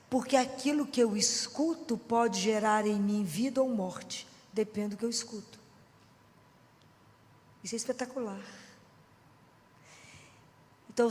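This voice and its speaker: A woman with a Minas Gerais accent giving a lively Catholic preaching talk, chatty and folksy, often asking the audience questions. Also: fairly high pitch. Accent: Minas Gerais Brazilian Portuguese. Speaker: Catholic lay speaker. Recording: long hall reverb.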